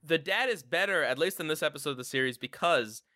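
A man hosting a casual podcast discussion, ranting in an animated, exasperated way with lots of "like" fillers. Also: on the high side, quick pace, dry recording, clean studio sound. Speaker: podcast host.

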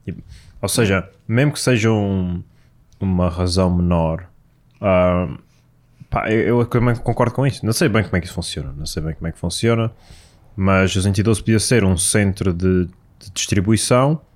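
A man's voice: sits low, moderate pace, darkish tone. A young man chatting on a podcast, easygoing and thinking aloud. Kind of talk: casual chat.

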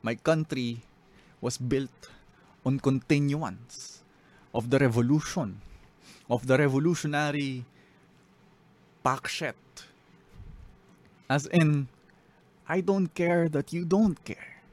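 A man's voice: medium pitch, slow, long pauses, darkish tone. A man with a Filipino accent, a spoken word poet on a podcast, switching between English and Filipino. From Philippines. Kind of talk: casual podcast talk and spoken word poetry reading.

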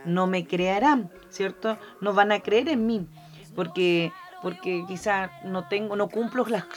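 A woman's voice: medium pitch, unhurried. A woman co-hosting a Christian podcast with a mixed Chilean accent, preaching and often adding "amén" and "¿cierto?". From Argentina. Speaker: podcast co-host. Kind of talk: Christian devotional podcast talk.

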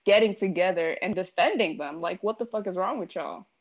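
A woman's voice: lowish voice, a little fast, dull audio. Blunt, profane young woman. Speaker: interviewee. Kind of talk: casual chat. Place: New York.

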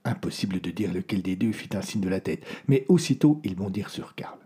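A man narrating a story in a hushed, suspenseful way. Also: low-pitched, expressive, a little fast, husky.

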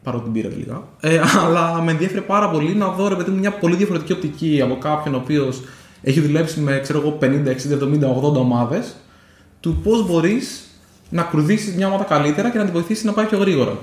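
A man co-hosting a podcast, chatting casually and circling back with fillers and restarts. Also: on the high side. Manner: rambling, many fillers and restarts. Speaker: podcast co-host. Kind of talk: casual chat. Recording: echoey room with faint noise.

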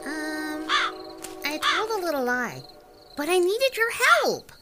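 A woman's voice: high-pitched, big pitch swings, takes it slowly, music in the background, full character voice. A woman playing an eager, wheedling little child in an audio drama, coaxing and exclaiming with wonder. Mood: pleading.

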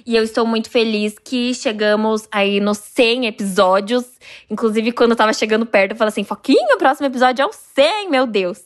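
A woman with a Brazilian Portuguese accent leaving a chatty, enthusiastic voice message as a fan of the show. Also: medium pitch. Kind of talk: casual voice message.

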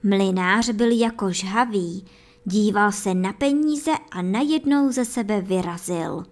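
A woman reading a folk fairy tale aloud for children and adults, telling it in a lively, expressive way. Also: medium pitch. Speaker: storyteller.

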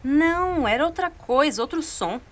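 An actress playing a sharp, wary ex-detective in an audio drama, exasperated and teasing. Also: female voice, high voice, expressive, normal speed. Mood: puzzled. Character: sharp, wary female ex-detective travelling the river.

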